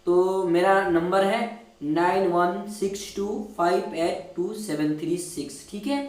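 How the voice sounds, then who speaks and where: A man's voice: high voice, slow. A man who plays keyboard, talking casually to viewers between demos and checking in with them again and again. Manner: chatty, repeatedly checks in with listeners. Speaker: keyboard player and music teacher. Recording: echoey room, distant mic, keyboard music behind. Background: keyboard music.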